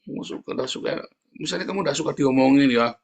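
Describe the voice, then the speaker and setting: A man from Indonesia with a Javanese Tegal accent, preaching a sermon in a chatty storytelling way. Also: fast talker. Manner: animated storytelling, jumps up into high mimicking voices.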